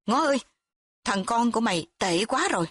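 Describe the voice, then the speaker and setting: A woman's voice: mid-range voice, lively intonation, normal speed, dry recording, close to an everyday voice. A woman voicing an anxious old grandfather in an audio story, pleading and worried. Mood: alarmed.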